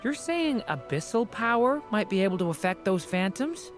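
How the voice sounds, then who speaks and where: An actor voicing an earnest, hopeful young mage with abyssal power in a game. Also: male voice, high voice, very animated, normal speed. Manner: earnest, hesitant questions. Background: game music.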